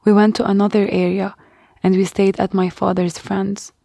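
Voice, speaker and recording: A woman reading a first-person testimony aloud in a slow, grave and measured way. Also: mid-range voice, level tone, vocal fry, dark tone, dry recording. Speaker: reader of a monologue.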